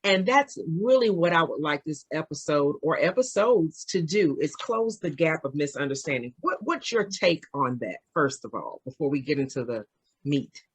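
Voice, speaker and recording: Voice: mid-range voice, big pitch swings, normal speed, slightly rough, no room sound. A podcast host opening an interview in an earnest, affirming way. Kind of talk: interview conversation.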